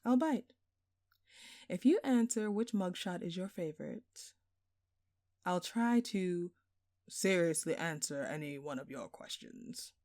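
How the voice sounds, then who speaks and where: A woman's voice: lowish voice, lively intonation, unhurried, pauses often, darkish tone, no room sound, clean studio sound. A woman playing a smug, flirtatious jewel thief who taunts a detective with teasing, sarcastic, theatrical phrasing in an audio roleplay. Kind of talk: scripted audio roleplay addressed to the listener.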